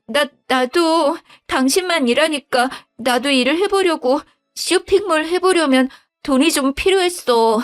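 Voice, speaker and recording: Woman voicing a high, whiny daughter-in-law figure for a narrated story; pleading, stammering schemer. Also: measured pace, few pauses, soft background music.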